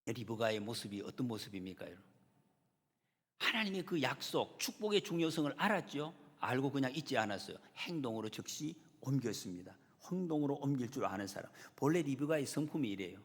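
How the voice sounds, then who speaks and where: A man's voice: mid-range voice, sing-song, brisk. A man preaching a Sunday sermon as pastor, earnestly addressing the congregation and building to emphatic peaks. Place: church sanctuary. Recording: long church reverb, slightly husky.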